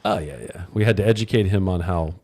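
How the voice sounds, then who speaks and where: A man hosting a live radio talk show, telling stories loudly and with energy. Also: low voice, quick pace, dry recording. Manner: loud, energetic storyteller. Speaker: radio host. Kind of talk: casual chat.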